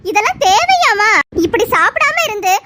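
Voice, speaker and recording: A woman voicing a calm cartoon doctor who lectures and scolds kindly, with loud noise behind. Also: extremely high pitch, normal speed. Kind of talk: cartoon voice acting.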